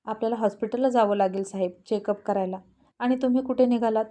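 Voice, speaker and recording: A woman's voice: fairly high pitch, steady tone, quick pace, warm tone, natural voice. A woman voicing a worried, insistent young pregnant wife in a spoken story, pleading and stubborn.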